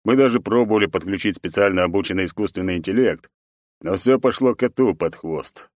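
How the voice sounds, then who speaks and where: A stern, weary emperor, as a man reading the story voices him, with a commanding, fatherly manner. The voice is low. The sound is close and dry. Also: brisk, dry recording, lightly acted.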